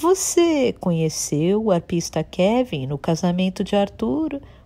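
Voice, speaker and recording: A woman's dark, mellow, somewhat breathy voice at medium pitch, dramatic in tone, with very wide pitch swings and a very slow pace. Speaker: audiobook narrator. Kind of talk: dramatized audiobook narration, reading a fantasy novel aloud. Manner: dramatic, expressive, shifting voices for characters.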